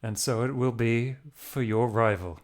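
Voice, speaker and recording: A man playing a grave, defiant Catholic priest who hunts monsters, speaking sternly and deliberately in a tabletop game. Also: medium pitch, close to an everyday voice. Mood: guarded defiance.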